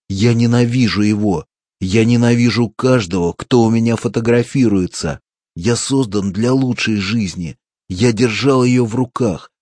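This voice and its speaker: A man voicing a greedy, fat male street photographer who screams in a shrill, frantic way in an audiobook. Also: darkish tone, slightly rough, dry recording.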